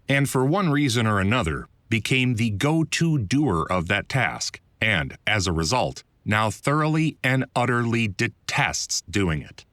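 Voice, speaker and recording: A man's voice: lowish voice, fairly bright tone, dry recording. A man reading his own nonfiction audiobook in a conversational, wry and articulate way, close on a studio mic. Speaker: author reading own audiobook, voiceover producer. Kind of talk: scripted audiobook narration. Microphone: close studio voiceover mic.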